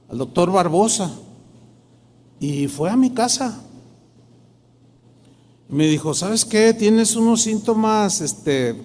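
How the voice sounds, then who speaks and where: A man's voice: high voice, darkish tone. A middle-aged man, a pastor telling a personal testimony in a sermon, acting out the dialogue in shifting tones. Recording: long hall reverb.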